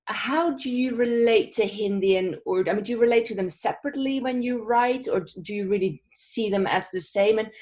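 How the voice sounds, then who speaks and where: Woman host, lowish voice, measured and steady. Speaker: interview host at a university center. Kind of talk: moderating an interview.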